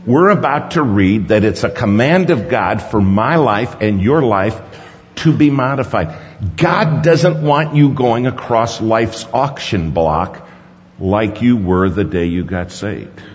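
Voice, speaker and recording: Slow dramatic preacher man, voice jumps all over, long hall echo, dull sound w faint hiss. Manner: emphatic, swings from hushed low lines to sudden high stresses. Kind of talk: sermon. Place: large conference hall.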